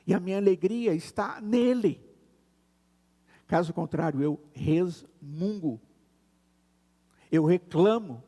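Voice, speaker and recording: High-pitched Brazilian pastor in a reverberant church. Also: male voice, darkish tone. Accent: Brazilian Portuguese. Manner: earnest preaching, slowing down to stress words. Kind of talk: sermon. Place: church sanctuary.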